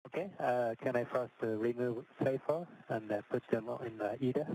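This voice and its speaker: A man's voice: mid-range voice, normal speed, warm tone. Man on crackly space-to-ground radio. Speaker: astronaut on the station.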